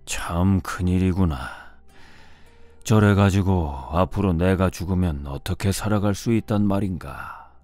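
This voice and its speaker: A man acting a stern old father, low-voiced. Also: a little slow, darkish tone, no room sound, faint music behind. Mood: worried. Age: older. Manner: scolding, weighty, old-fashioned speech. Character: stern old father, wealthy and worried, testing his son.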